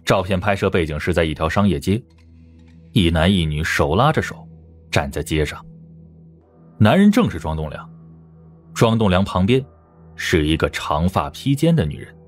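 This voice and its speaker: A man's voice: sits low, lively intonation, moderate pace, long pauses, soft background music. A man narrating a crime audiobook in a scripted, dramatic storytelling style.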